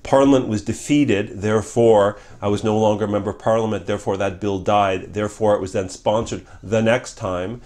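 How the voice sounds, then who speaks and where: Man, middle-aged, Polish first language, lowish voice, earnest, repeats himself, restarts sentences. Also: fairly even intonation, brisk, hardly any pauses, darkish tone. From Canada. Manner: earnest, repetitive, many restarts and fillers. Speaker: political candidate, former member of Parliament. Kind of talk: interview answers.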